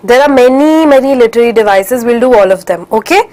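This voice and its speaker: A woman's voice: fairly high pitch, lively intonation, fast talker, a little mellow. A young woman teaching an online English class for children in Indian English, encouraging and slipping in Hindi phrases, a little stuffy from a cold.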